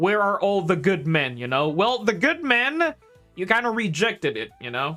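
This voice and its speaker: A fairly slow pace over music in the background. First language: not English. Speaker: gaming streamer. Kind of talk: live stream commentary. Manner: halting.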